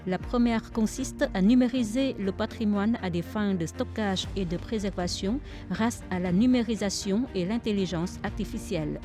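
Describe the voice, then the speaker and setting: A woman narrating a French-language news report in a measured, even read. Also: mid-range voice. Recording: voice-over with clear music behind.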